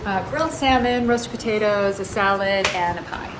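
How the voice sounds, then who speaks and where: A woman giving relaxed, easygoing answers in a short street interview. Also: medium pitch, normal speed, soft background music.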